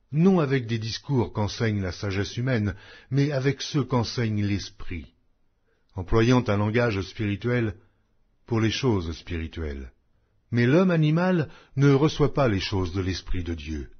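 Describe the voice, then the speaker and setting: A low male voice, somewhat husky, delivers a solemn scripture reading. His phrases rise and fall widely, set apart by deliberate pauses in a measured, declamatory manner. The audio is slightly dull. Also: expressive.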